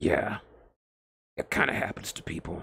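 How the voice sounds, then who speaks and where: Someone does a put-on character voice that is raspy and gravelly, delivered at a moderate pace. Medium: read story. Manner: terse, deadpan.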